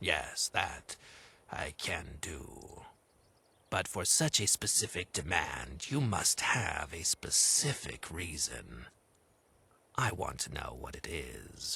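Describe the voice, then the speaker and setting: A man uses a put-on character voice at a very deep, low pitch. He goes at a very slow pace in a very clean recording with a silent background. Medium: video game. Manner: measured, deliberate.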